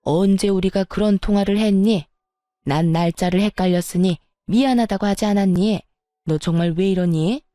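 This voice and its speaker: A woman's voice: mid-range voice, normal speed, mellow, no room sound, clean studio sound, close to an everyday voice. A woman playing a spiteful older mother-in-law. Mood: feigned hurt. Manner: sneering, then falsely pitiful. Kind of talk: storytelling audio drama.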